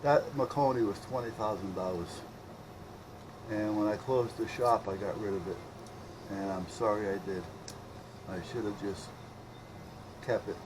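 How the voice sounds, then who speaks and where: A man's voice: on the low side, a little slow, pauses often, noisy background. A middle-aged or older man rambling casually and thinking aloud as he films an unscripted repair video. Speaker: electronics repair hobbyist showing his work.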